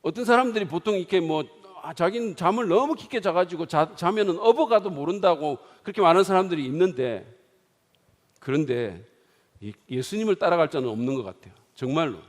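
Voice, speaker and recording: A middle-aged man preaching a sermon in a church, swinging dramatically from hushed, quiet lines to loud exclaiming. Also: fairly high pitch, animated, fairly quick. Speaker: pastor. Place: church sanctuary. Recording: long hall reverb.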